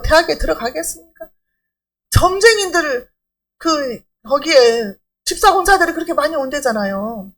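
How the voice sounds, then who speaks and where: A woman's voice: sits high, a bit bright. A middle-aged woman pastor preaching a sermon in an emphatic, conversational way, asking rhetorical questions.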